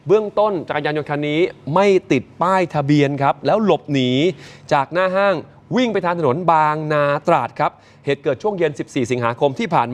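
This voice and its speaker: A man presenting morning news, retelling events in a lively, chatty way and addressing viewers directly. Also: fairly high pitch, slight background noise.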